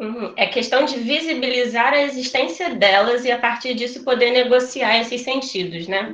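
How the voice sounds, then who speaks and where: Audible room echo surrounds a woman's high-pitched voice. She speaks at a moderate pace with ordinary pitch variation. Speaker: course participant; course participant asking the professor. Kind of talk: class discussion question. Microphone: poor internet connection, no video; video call.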